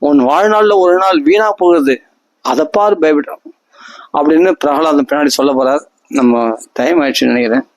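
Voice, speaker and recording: A man giving a devotional discourse, chanting verses slowly and pleading with rising fervor. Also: fairly high pitch, no echo. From India. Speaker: religious storyteller.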